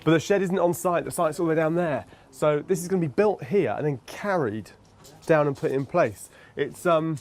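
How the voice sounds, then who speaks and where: Guy chatting to camera, bit high voice, wry and jokey. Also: normal speed, a little mellow. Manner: wry, punning. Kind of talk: casual jokey piece to camera.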